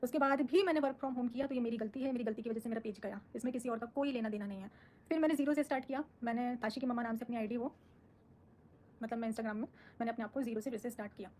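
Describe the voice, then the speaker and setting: Fast-talking woman, firm and outspoken. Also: on the high side, fairly even intonation, darkish tone, slight background noise. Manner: firm, defensive, speaks her mind. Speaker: social media creator on a live stream. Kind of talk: live stream talk answering viewer comments.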